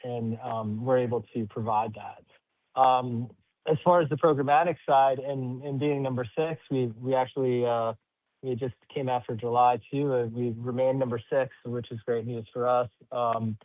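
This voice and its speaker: A man speaking as a company executive answering questions on an earnings call, halting, rambling and upbeat. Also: medium pitch, flat delivery, no room sound. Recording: slightly muffled, dry call audio.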